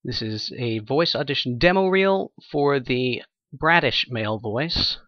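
A man's voice: mid-range voice, expressive, unhurried, no room sound, lo-fi sound. A man reading a scripted introduction as an amateur voice actor.

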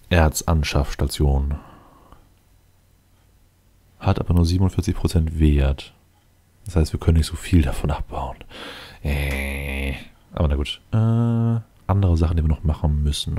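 A man's voice: rumbling low, unhurried, long pauses, warm tone. A man giving casual, improvised game commentary, thinking aloud and muttering to himself in a matter-of-fact way. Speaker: let's play video host.

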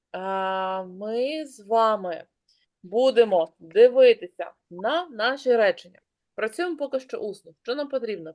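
A woman teaching an online class, brisk and encouraging, calling on pupils by name. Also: on the high side, a little mellow.

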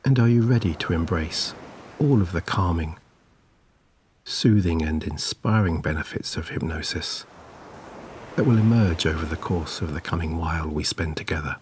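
A man narrating a scripted guided sleep meditation in a soothing, gentle, measured way. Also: sits low, a little hiss or hum. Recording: clear background ambience of waves. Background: relaxing ocean wave sounds.

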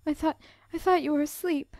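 A woman reading a storybook, voicing a gentle, fragile teenage girl, tearful and sobbing. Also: high voice, slow pace, dry recording, clean studio sound, pitched above the performer's own voice.

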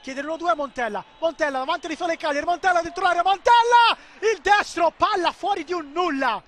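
Guy doing live football play-by-play, super high voice, sharp and excitable. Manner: excitable, swelling from clipped calls to drawn-out shouts. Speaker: football match commentator.

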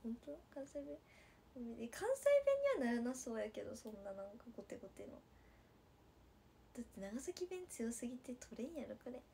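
Brief: young woman, Nagasaki dialect, sleepy livestream chat, fairly high voice, faint hiss behind. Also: expressive, normal speed, vocal fry. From Nagasaki, Japan. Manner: drowsy, drifting into soft whispers, then bright squeals for viewers. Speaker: idol livestreamer. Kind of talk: casual livestream chat reading comments.

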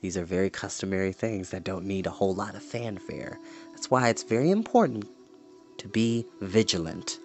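Animated young American man reading aloud. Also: sits low, normal speed, faint music behind. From East Cleveland, United States. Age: young adult. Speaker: storytime host. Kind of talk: expressive book reading with casual asides. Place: small indoor home room with shelves.

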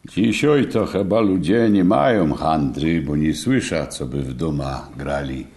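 A man's voice: extremely low pitch, unhurried, darkish tone, soft background music. A man playing a good-humoured, teasing older uncle in a radio dialogue, with a Silesian accent and a folksy, exclamatory manner. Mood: musing. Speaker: host of a radio show. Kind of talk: scripted dialect radio dialogue.

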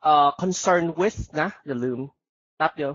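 A man teaching an online IELTS speaking class, coaching and giving slow, clear model answers. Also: on the high side, fairly bright tone, no echo, highs cut off. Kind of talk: live online language lesson.

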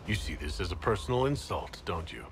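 An actor playing a huge, sober horned warrior leader in a fantasy game, speaking in a measured way. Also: male voice, sits low, sing-song, gravelly, a little hiss or hum, full character voice. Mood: firm. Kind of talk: fantasy video game acting. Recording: loud game ambience behind.

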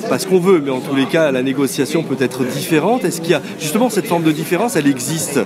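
A man's voice: fairly high pitch, quick pace, a loud crowd. A man interviewing at a market, asking polite questions with hesitations. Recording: loud music behind.

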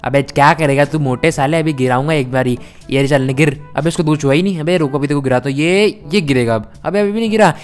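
Fast, crisp-voiced male gameplay host. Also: a little high, soft background music. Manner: loud, scolding, slangy. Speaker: gaming channel host. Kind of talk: role-play gameplay commentary.

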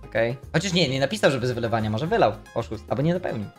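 A man's voice: mid-range voice, lively intonation, very fast, faint music behind. A man hosting a stream, casually reacting to memes in a loose, profane way. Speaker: streamer host.

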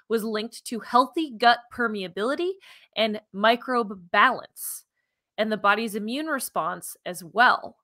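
A woman, co-hosting a science podcast in an animated, informal, emphatic conversational way. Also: fairly high pitch. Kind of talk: conversational science news presentation. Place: small furnished room at home, indoors. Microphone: video call, wearing headphones.

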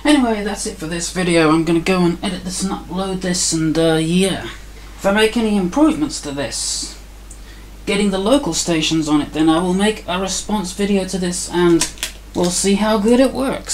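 A man's voice: high voice, normal speed, slight background noise, low-quality recording. A man casually narrating a radio-building demo at his indoor workbench, grumpy and sarcastic in tone.

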